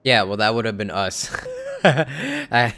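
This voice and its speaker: Game streamer, man, mid pitch, lively and sarcastic, slangy. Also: slow. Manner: sarcastic slangy quips at the screen. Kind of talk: reacting over a game on stream.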